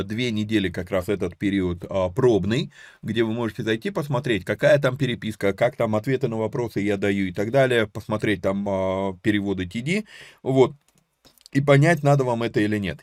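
A man's voice: on the low side, darkish tone, no room sound, studio quality. A man hosting a live-stream Bible study, talking conversationally with many fillers and restarts. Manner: grows emphatic while expounding scripture. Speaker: Bible teacher.

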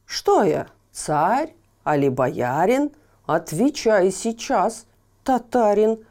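A woman voicing an angry, bearded old tsar in a storybook tale, speaking loud, gruff and slow. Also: mid-range voice, big pitch swings. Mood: angry blustering.

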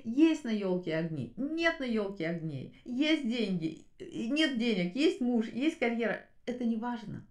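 Higher-pitched woman in an echoey room. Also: lively intonation, unhurried, hardly any pauses, a little mellow. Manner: earnest, emphatic, addressing listeners directly. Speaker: podcast host and speaker. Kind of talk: motivational commentary on a cartoon.

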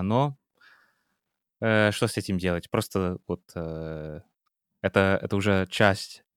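Brief: English-accented man, smooth clear voice, low-set, halting relaxed chat, dry close mic. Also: no room sound. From England. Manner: hesitant, many pauses and restarts. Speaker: podcast co-host, Russian teacher. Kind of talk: casual chat.

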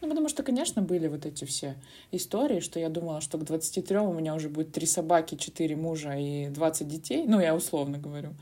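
A young woman near thirty co-hosting a podcast, agreeing warmly and telling reflective stories from her own life. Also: sits low, fast talker, few pauses, slightly rough. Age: 20s. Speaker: podcast co-host. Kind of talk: casual podcast chat.

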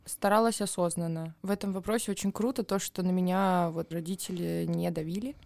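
Woman, young adult, from Siberia, podcast co-host, casual animated storytelling, dry close mic. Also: on the low side, fairly quick, gravelly, dry recording. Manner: animated storytelling with playful impressions and laughter. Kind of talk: casual chat.

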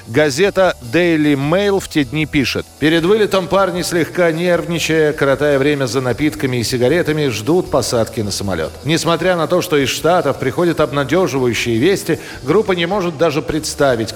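A man's voice: a little high, lively intonation, normal speed, hardly any pauses. A man presenting a history programme, reading scripted documentary narration. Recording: music under the voice. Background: background music.

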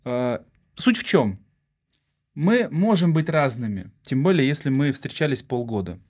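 A man co-hosting a podcast as a clinical psychologist, explaining things in a measured, casual way. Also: medium pitch, lively intonation, darkish tone.

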